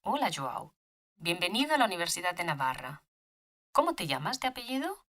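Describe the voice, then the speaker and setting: A woman reading simple scripted dialogue for a beginner language lesson, clear and lively. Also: lowish voice, a little fast.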